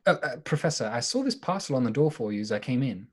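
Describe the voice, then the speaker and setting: A man's voice: medium pitch, expressive, fast, slightly rough. An actor playing an earnest, anxious man in love, hesitant and emotional, in a radio drama. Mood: polite. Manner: hesitant, emotional, stammering when alarmed. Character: earnest, anxious lovesick man, doctor and narrator. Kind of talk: theatrical radio drama acting and narration.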